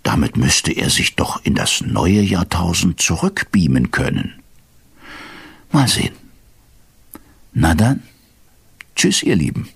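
A raspy, creaky, very low narrator, telling a children's witch story. He is genial and chatty, with an expressive delivery that speaks straight to his listeners. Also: slow pace, pauses often, full character voice. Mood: playful. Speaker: narrator of a children's audio drama.

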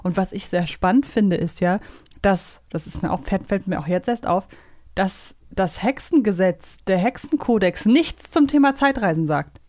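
A woman's voice: mid-range voice, animated, moderate pace, a little mellow, no room sound, clean studio sound. A woman hosting a podcast, chatting casually and enthusiastically, thinking aloud in long winding sentences. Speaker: podcast host. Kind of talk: casual fan chat and quiz banter.

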